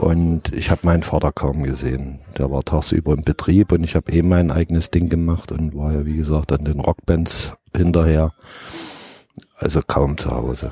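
In a dark, mellow tone, a man speaks at a moderate pace with a very deep, low pitch, monotone, flat intonation and a somewhat breathy quality, in a dry, close sound with no echo. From Saxony, eastern Germany (Radebeul near Dresden). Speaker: photographer. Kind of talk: interview. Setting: outdoors on a balcony.

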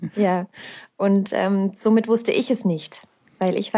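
The woman's pitch is medium and her intonation monotone and flat. She speaks at a moderate pace. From East Germany, then West Germany. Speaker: journalist and blogger. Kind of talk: interview. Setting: Skype call. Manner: hesitant, many fillers.

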